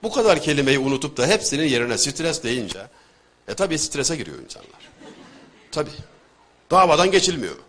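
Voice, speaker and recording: A man giving a conversational religious and literary talk, telling anecdotes with rhetorical questions and sudden loud emphasis. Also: fairly high pitch, sing-song, brisk, long pauses.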